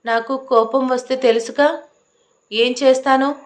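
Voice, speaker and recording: A woman's voice: high voice, fairly even intonation, unhurried. A woman voicing an arrogant, stubborn young man who speaks in curt, commanding lines in an audio love story. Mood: stern, bossy.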